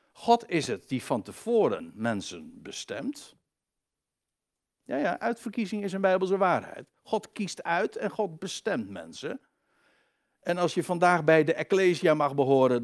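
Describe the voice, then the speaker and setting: A man delivers a sermon in a fairly high, very animated voice. He stresses key words loudly and high, then drops low and soft for asides, with frequent fillers and restarts along the way. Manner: emphatic, swinging from loud high stresses to quiet low asides; halting, with many fillers and restarts. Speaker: preacher.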